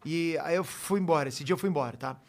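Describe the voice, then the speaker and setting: A man's voice: fairly high pitch, fast. A man telling stories in casual chat as a podcast guest, swearing freely with self-deprecating laughs.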